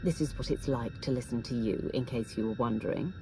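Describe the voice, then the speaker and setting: Sith warrior lady, low voice, dry and sarcastic, music under it. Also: brisk, poor audio. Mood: dry, wry. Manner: dry, sardonic. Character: female Sith warrior commander, dry and blunt. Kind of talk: video game voice acting. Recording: music bed under the dialogue.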